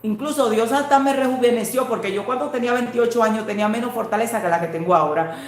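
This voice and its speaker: A woman's voice: a little high, fast talker. Woman pastor preaching in an echoey room. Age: 40s. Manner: emotional storytelling preaching, exhorting listeners. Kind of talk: sermon.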